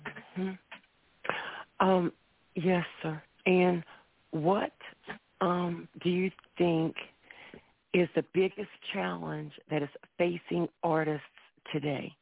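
A woman with a lowish voice asks slow, polite and formal interview questions. Her voice comes through a thin phone-like line and sounds dry and close. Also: fairly even intonation, vocal fry, no room sound. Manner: polite and formal, says "yes, sir" often. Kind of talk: radio interview.

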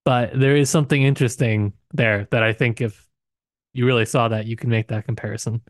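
A man's voice: medium pitch, fairly even intonation, brisk, dry recording. Male co-host, medium register, informal and reflective literary chat, close dry sound. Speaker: podcast co-host. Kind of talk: casual literary discussion.

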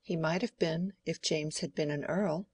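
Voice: medium pitch, normal speed, darkish tone, breathy edge, no echo, close to an everyday voice. A reader voicing a light, placid young woman in an audiobook. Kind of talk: audiobook character voice.

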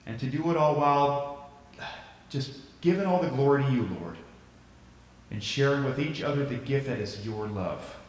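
A man's voice: medium pitch, lightly acted. Earnest camp preacher played by a man, echoing hall. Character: earnest male youth church camp leader. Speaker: camp chapel leader. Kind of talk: audio drama acting, leading prayer and addressing a congregation. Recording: echoey hall, far from the mic.

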